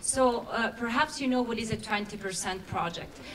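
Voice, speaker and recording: A woman speaks at a fairly high pitch with an Italian accent. Audible room echo and noticeable background noise surround her voice. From southern Italy, Naples. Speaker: public policy head, former lawyer. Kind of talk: conference talk. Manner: halting, many fillers.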